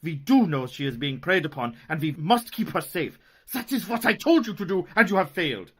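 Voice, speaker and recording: A man's voice: a little high, big pitch swings, a little fast, breathy edge. A man playing a grave, commanding older doctor in a radio play. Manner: grave, urgent, formal.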